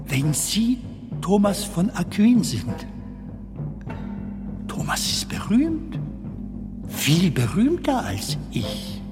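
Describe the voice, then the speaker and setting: A mild, modest comedian lost among big ideas in a drama. His high, lilting voice moves slowly and hesitantly, always polite and a little bewildered. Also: heavily acted. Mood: awed, puzzled. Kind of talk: theatrical German dialogue drama.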